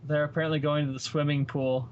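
A man's voice: a little high, little pitch movement, fast. Laid-back man with dry short answers. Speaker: podcast co-host. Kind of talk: casual chat. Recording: muffled lo-fi home recording, faint background hum.

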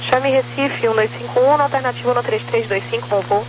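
Rapid, clipped air traffic controller over noisy radio. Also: mid-range voice, dull audio. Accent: Brazilian. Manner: clipped, procedural phrasing. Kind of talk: radio callout of aviation clearances. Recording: noisy humming air-band radio transmission.

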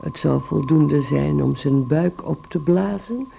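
An actor as a sober storyteller, giving measured, deliberate literary narration in a radio play. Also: male voice, a little high, vocal fry, mellow, slight background noise, exaggerated voice.

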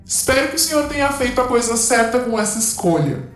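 A woman's voice: on the high side, lively intonation, quick pace, lightly acted. A woman playing an obedient, formal military aide in an audio drama, speaking deferentially. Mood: dutiful. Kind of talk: scripted audio drama acting. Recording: echoey room with music behind.

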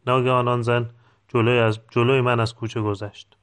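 A man reading a novel aloud in calm, measured scripted narration. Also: medium pitch, clear, resonant tone. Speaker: audiobook reader.

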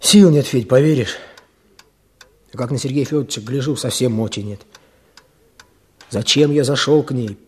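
A man's voice: mid-range voice, moderate pace, long pauses, natural voice. An actor playing an earnest young village man who leads a hunt for bandits in a Russian radio drama, with a terse, commanding manner. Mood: distraught.

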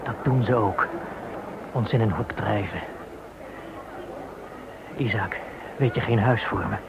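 A man's voice: on the low side, takes it slowly, very noisy. Muffled radio-play bitter Jewish man. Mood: worried, pleading. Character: bitter, dismissed Jewish worker seeking a house. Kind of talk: Dutch radio play acting. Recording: muffled old radio recording, street bustle behind.

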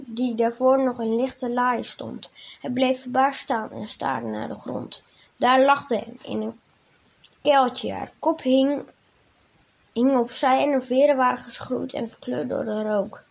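A woman hosting a podcast and reading a storybook aloud in a steady, measured way. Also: high voice, gravelly, breathy edge. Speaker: podcast host and story reader. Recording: dull lo-fi recording.

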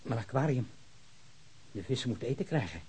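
An actor playing a meek, simple murder suspect in a radio drama, speaking haltingly and plainly. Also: male voice, medium pitch, expressive, mellow. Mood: anxious, hesitant. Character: meek, slow-witted male murder suspect fretting over his animals. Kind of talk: naturalistic radio drama acting. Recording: muffled, clearly hissy drama recording.

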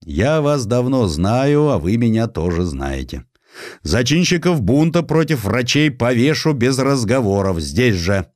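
A blunt nineteenth-century governor, as a male narrator plays him, gruff and used to being obeyed. He speaks in curt, peremptory orders with lively swings of pitch, in a dry audiobook recording. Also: unhurried, dry recording. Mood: stern, deliberate. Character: blunt, commanding 19th-century Russian governor, coarse and decisive.

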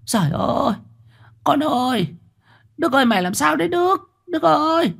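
A man's voice: on the high side, sing-song, normal speed, vocal fry, slightly rough, pitched above the performer's own voice, exaggerated voice. A man voicing a frantic, crude-tongued middle-aged village mother who scolds her son. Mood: panicked.

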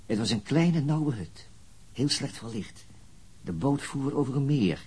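An actor playing a weary, dogged police detective with a measured, terse, insistent way of talking in a crime drama. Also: male voice, mid-range voice, animated, darkish tone, slightly rough. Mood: insistent, probing.

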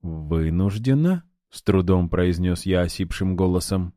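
A man reads an audiobook in the first person, with measured, wry storytelling. His voice is low and dark. The recording is close and dry. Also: expressive, dry recording. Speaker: audiobook narrator.

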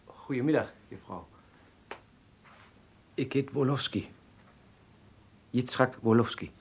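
An actor playing an earnest young Polish-Jewish revolutionary in a Dutch radio play, lecturing with hesitant pauses. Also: male voice, medium pitch, vocal fry, slight background noise. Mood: polite, hesitant. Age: young adult.

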